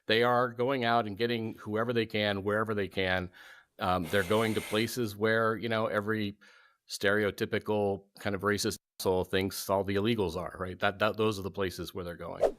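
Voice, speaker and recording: A man calling into a livestream, calmly explaining a policy point step by step. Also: fairly low pitch, moderate pace. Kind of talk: casual political discussion.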